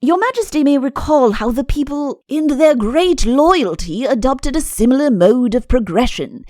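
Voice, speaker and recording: A woman's voice: high-pitched, animated, normal speed, mellow, no echo, studio quality, voice pushed up. A woman voicing an obsequious, cautious, long-winded male chancellor in a comic audiobook, pleading and deferential. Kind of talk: audiobook comic character acting.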